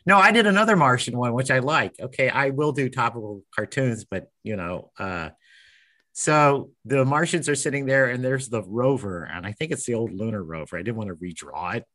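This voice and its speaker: A man talking shop as a cartoonist host in a loose, casual chat. His humor is dry, and he teases his co-host with deadpan jabs. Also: medium pitch, normal speed. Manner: dry, joking, teasing.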